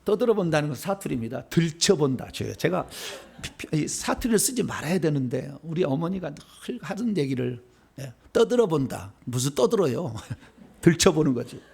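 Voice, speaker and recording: A middle-aged man from Seoul preaches his sermon in a high, lively voice that swings widely in pitch. He keeps putting questions to the congregation and answering them himself, like a conversation from the pulpit. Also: normal speed, gravelly, breathy edge. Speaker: pastor.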